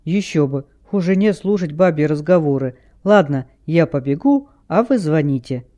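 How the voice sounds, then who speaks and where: A man's voice: on the high side, animated, normal speed, dark tone, close to an everyday voice. A man voicing a rude, impatient boy who scoffs at his cousin. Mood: scoffing.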